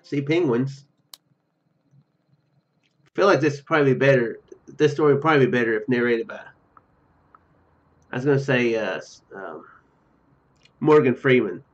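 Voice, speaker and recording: Speaking at a moderate pace with long pauses, a young man with a medium-pitched voice streams a video game from an indoor room at home. He reads game text and comments hesitantly, rambling into trailing asides. The lo-fi microphone sounds dull, and game music runs in the background.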